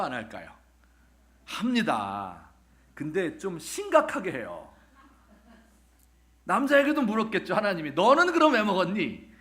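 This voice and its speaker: Male pastor, lively sermon delivery, bright tone, rhetorical questions, humorous asides. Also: mid-range voice. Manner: animated storytelling with rhetorical questions to the congregation; acts out quoted voices, drops to a hushed near-whisper at times.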